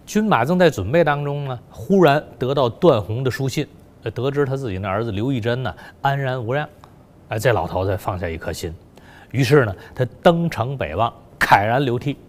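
Lively-pitched male history storyteller. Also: a little fast. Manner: colloquial, filler-heavy storytelling. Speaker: history lecturer. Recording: long hall reverb.

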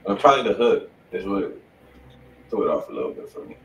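A man's voice: low-pitched, sing-song, a little fast, lo-fi sound. A man co-hosting a live music review stream, talking in casual, slangy style. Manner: slangy, informal. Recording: roomy, distant mic, faint noise.

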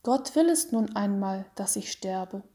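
A woman voicing a sick young mother in a storybook reading, speaking softly and weakly, often half-whispered. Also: medium pitch, animated, a little slow, lightly acted. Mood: consoling. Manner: soft, weak, half-whispered.

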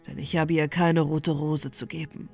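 A lovesick young man as a woman storyteller gives him voice, pitched a touch low and lamenting his lost chance with heartfelt sorrow. Faint music hums beneath. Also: level tone, moderate pace, darkish tone. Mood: lovelorn.

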